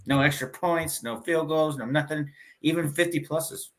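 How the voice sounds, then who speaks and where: A man co-hosting a casual sports podcast, jokey and quick with a laugh. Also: fairly high pitch, fairly bright tone, rough recording. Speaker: podcast co-host.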